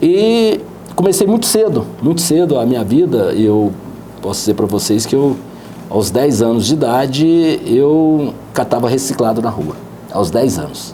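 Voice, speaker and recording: A man speaks fairly slowly at a medium pitch, with very wide pitch swings. Noticeable background noise and audible room echo fill the recording. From Brazil, Franca, São Paulo state. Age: 60s. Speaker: former city councillor, businessman. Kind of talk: TV interview.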